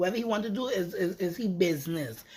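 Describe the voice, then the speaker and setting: With a Trinidadian accent, a woman speaks at a moderate pace in an animated tone with lively intonation. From Trinidad and Tobago. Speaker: YouTuber. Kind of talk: commentary vlog.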